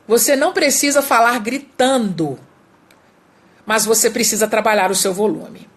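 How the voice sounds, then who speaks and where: A woman's voice: a little high, moderate pace. A Brazilian woman coaching public speaking in a live lesson, emphatic and repeating key words for stress. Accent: Brazilian Portuguese.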